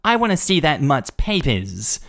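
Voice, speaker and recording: A man's voice: a little high, big pitch swings, a little slow, creaky, fairly bright tone, pitched above the performer's own voice, heavily acted. A man voicing a rude, entitled middle-aged woman who screeches and sneers at everyone. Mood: indignant.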